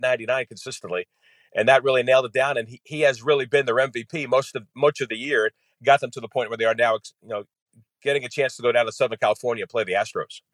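A man's voice: mid-range voice, fairly bright tone, no room sound. A man with a mid-range voice recounting a baseball game in rich, conversational detail. He sprinkles his storytelling with "you know" as he goes. The sound is dry and close. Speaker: radio play-by-play announcer, guest.

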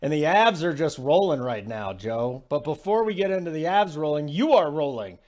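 Emphatic male sports-betting host, casual delivery, somewhat higher pitch. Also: lively intonation, moderate pace, darkish tone. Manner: emphatic, keeps asking "okay?".

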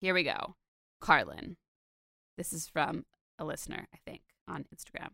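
A young woman from Connecticut, co-hosting a podcast in a chatty, animated way with lots of filler words. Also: low-pitched, normal speed, vocal fry, no room sound, studio quality. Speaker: podcast co-host. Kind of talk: casual chat.

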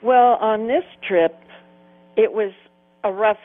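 A woman's voice: fairly high pitch, slow pace, narrow, tinny audio. A woman in her eighties speaking as a radio guest in a plain, matter-of-fact way. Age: 80s.

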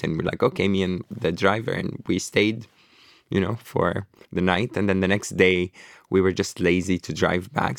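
A man with a very low voice talks through his stories in a relaxed, rambling way, stopping and restarting often. The recording is dry and close, with no room sound. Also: creaky, no echo. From Lebanon. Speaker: author guest. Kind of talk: casual interview conversation.

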